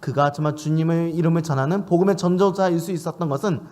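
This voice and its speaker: A man's voice: on the high side, fairly even intonation, fast, a little mellow. A man preaching a sermon in church, asking questions of his listeners as he speaks. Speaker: pastor.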